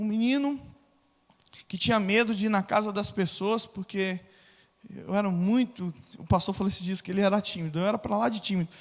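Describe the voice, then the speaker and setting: A man with a high pitch. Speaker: pastor. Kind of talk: sermon. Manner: fast.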